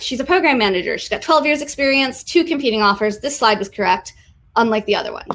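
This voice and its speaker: A woman talks at a fairly quick pace with lively intonation. Her pitch sits fairly high. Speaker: conference speaker. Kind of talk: conference talk. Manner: fast. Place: home room. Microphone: webcam.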